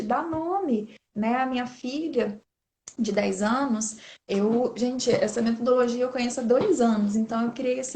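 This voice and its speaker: A woman's voice: high voice, darkish tone. A woman in her thirties with a Brazilian Portuguese accent, giving an informal talk on raising children and often turning to her listeners. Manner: chatty, keeps addressing listeners as "gente". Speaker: parenting speaker. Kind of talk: informal talk to an online audience.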